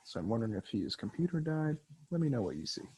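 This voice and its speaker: A man co-hosting an online webinar in casual chat, talking in a relaxed, rambling way with many fillers, over a computer mic. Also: mid-range voice, fast talker, slightly rough. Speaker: webinar co-host.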